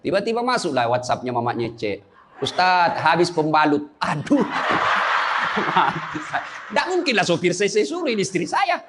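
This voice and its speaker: A man's voice: high voice, very animated, moderate pace, noisy background. A middle-aged man with a Makassar Indonesian accent preaching a humorous sermon, teasing his audience with playful asides.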